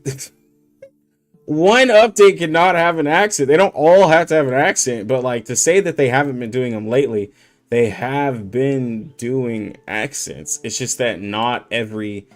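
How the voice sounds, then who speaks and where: A man streaming games, chatting casually with heavy slang and many "like" fillers, laughing often. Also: medium pitch. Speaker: gaming streamer. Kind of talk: casual livestream chat.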